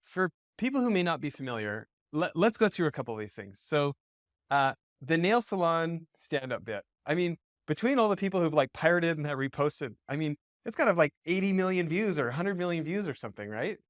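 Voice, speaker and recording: Man, from Western Canada, interview host, rambling questions, smooth clear voice, dry close sound. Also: a little high, sing-song, fairly quick, no room sound. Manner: rambling, many fillers, like and restarts. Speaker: podcast host. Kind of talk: casual interview.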